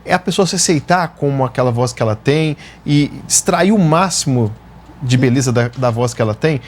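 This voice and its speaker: A man's voice: mid-range voice, moderate pace, slight background noise. A man with a Brazilian accent, an announcer hosting a TV health interview and asking chatty, playful questions. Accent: Brazilian Portuguese. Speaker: host and radio announcer.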